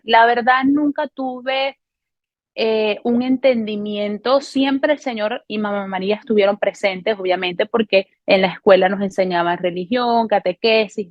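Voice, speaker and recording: A woman in her thirties from Venezuela gives a personal faith testimony to camera, in an earnest, unhurried way with frequent hesitations and self-corrections. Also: medium pitch, dry recording, highs cut off. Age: 30s. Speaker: testimony speaker. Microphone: camera recording.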